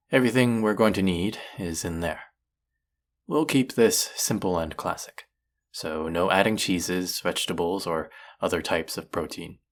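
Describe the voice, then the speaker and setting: A man playing a cocky, bickering chef in an intimate audio roleplay, with a teasing, sardonic and condescending manner. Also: sits low. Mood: brisk, businesslike. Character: cocky, bickering male chef, grudgingly fond rival. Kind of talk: intimate audio roleplay acting addressed to listener.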